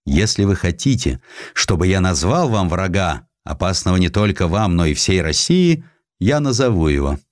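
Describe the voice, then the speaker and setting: A man voicing a proud, defiant Russian general in an audiobook, orating with patriotic fervour and deliberate, weighty phrasing. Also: deep voice, big pitch swings, no room sound, clean studio sound. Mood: grave, resolute.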